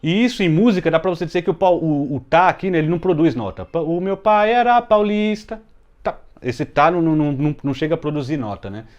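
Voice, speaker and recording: A Brazilian man who hosts a channel gives a relaxed music lesson at home, explaining step by step, tagging lines with "né?" and slowing to scan verses syllable by syllable. His voice is slightly high and mellow, with the highs cut off. He's in a room with the window closed, and children can be heard outside.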